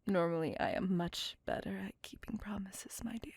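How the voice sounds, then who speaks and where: A woman's voice: mid-range voice, darkish tone, no room sound. A woman voicing a possessive, remorseful female vampire lover in a whispered ASMR roleplay, talking in an intimate, doting way. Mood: tender. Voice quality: whispered, breathy and gravelly. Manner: intimate, apologetic, slow and doting.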